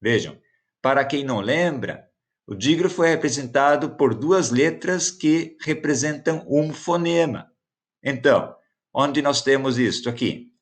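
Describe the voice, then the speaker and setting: A man's voice: mid-range voice, animated, a little slow. A man teaching a lesson, explaining exam questions step by step with frequent checking questions. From Brazil. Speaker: Portuguese teacher.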